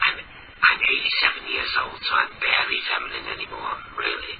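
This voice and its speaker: A man's voice: fairly quick, over loud music, close to an everyday voice. A man playing a lonely 87-year-old woman who talks through a buzzing electronic voice box in a prank call. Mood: deadpan rambling. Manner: rambling, overly friendly, awkward. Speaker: prank caller. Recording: muffled lo-fi radio phone audio with loud hiss.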